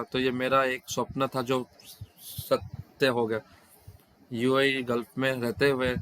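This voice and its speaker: A man speaking over an online video call, interpreting questions and answers at a devotional scripture class. His voice sits at an ordinary middle pitch. He often stops mid-word and starts the phrase again. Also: fairly bright tone, slight background noise.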